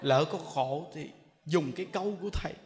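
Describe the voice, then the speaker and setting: In a hall with long reverb and faint noise, a monk with a fairly high, slightly fast voice gives a humorous dharma talk. He tells stories animatedly, acting out scenes and quarrels, and often laughs.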